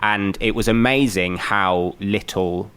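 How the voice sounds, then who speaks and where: A man with a distinctly deep voice speaks as a panellist in a news discussion. He explains points informally, in a conversational style. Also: takes it slowly, a bit bright, smooth.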